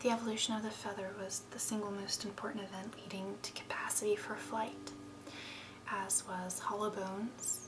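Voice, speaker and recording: Soft-spoken and calm in tone, a woman talks at a moderate pace with monotone, flat intonation over noticeable background noise. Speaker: educator. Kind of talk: lecture. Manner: soft-spoken, calm low-volume ASMR voice. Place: home room. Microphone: webcam.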